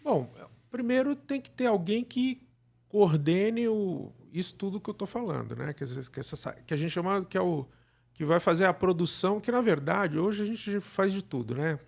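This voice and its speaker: A Brazilian man speaks as a guest in a casual conversation. His voice sits a little high for a man and has plenty of gravelly creak. He gives advice colloquially, digressing and often checking for agreement. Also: animated, moderate pace. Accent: Brazilian Portuguese. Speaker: interview guest, radio drama creator.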